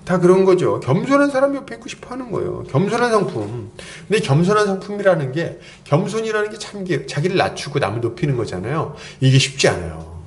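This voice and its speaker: A middle-aged man preaches to his congregation in a chatty, playful way. His voice sits a little high and swings widely in pitch. He slips into quick mock quotes to make a point. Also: very animated. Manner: conversational preaching with playful acted quotes and asides. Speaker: pastor. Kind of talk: expository sermon.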